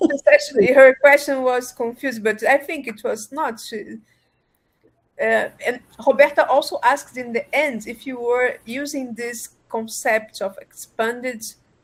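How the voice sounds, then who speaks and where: A woman with a Portuguese accent speaks at a moderate pace in a high voice. Her intonation stays fairly even while her loudness swings widely. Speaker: event moderator, postdoctoral researcher. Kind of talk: moderating online Q&A. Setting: video call.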